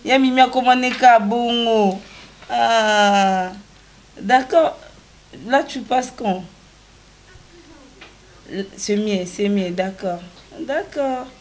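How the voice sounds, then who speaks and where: Actress for an affectionate young Congolese wife, Congolese French accent, everyday voice. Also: female voice, fairly high pitch, extremely slow, pauses often, slight background noise, rough recording. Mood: cheerful. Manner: chatty, soothing, pleading. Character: young woman, affectionate partner. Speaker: wife in a drama series. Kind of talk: Congolese TV drama acting.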